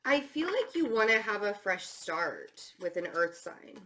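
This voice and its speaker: Hoarse, stuffy-voiced woman tarot reader. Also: medium pitch, very animated, unhurried, fairly bright tone. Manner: chatty, many fillers and restarts. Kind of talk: casual tarot reading.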